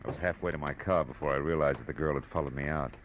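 A man's voice: extremely low pitch, racing, dull audio, background noise. An actor playing a hard-boiled Los Angeles private detective in a 1940s radio drama, telling his story in a terse, world-weary way. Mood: brooding, watchful. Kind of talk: 1940s radio acting, first-person noir narration. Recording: old radio drama with music bed.

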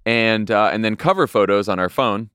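A male podcast host with a low, smooth voice talks casually with his guests. He sounds relaxed and conversational. The recording is dry and close. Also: normal speed, no echo. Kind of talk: casual interview chat.

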